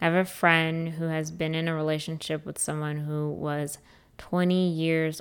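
A woman with a very deep, low voice talks at a fairly slow pace in a monotone, flat intonation. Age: 30s. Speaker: podcast host. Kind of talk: casual advice monologue.

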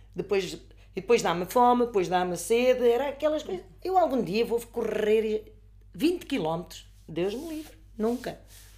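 Her pitch swinging very widely, a woman of fairly high pitch talks at a fairly slow pace over noticeable background noise. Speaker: occupational therapist. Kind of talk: casual chat. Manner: firm, direct; halting.

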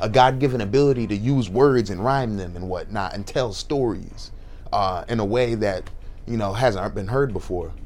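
With music playing behind him, a man of medium pitch speaks at a moderate pace in an American accent, his pitch varying in an ordinary way. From Connecticut. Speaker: musician and actor. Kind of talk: casual interview. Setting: studio. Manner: animated.

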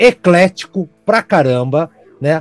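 A man speaks with a fairly high pitch and very wide pitch swings. The sound is dry and close, with no echo. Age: 40s. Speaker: podcast host and music reviewer. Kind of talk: casual chat.

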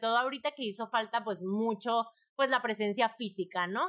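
A woman talks at a high pitch with a bright, sharp tone. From Mexico, Culiacán (Sinaloa). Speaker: podcast host. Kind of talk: casual monologue. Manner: animated.

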